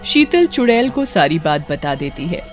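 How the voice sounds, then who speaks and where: एक औरत बच्चों के लिए एक डरावनी कहानी भावपूर्ण अंदाज़ में पढ़कर सुना रही है।. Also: female voice, low voice, normal speed, faint music behind. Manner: expressive storytelling. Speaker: storyteller. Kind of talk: scripted children's story narration.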